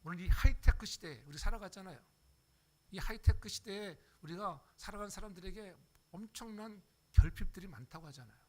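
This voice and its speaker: An older pastor preaches a sermon in a church sanctuary, imitating everyday voices and checking in with his congregation. His mellow voice sits high and moves fairly quickly.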